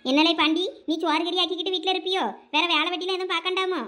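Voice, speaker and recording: Nag hard as a village cartoon mother-in-law, voice actor, Thoothukudi Tamil, high and quick. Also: steady tone, bright, forceful tone. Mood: scolding. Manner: scolding, nagging.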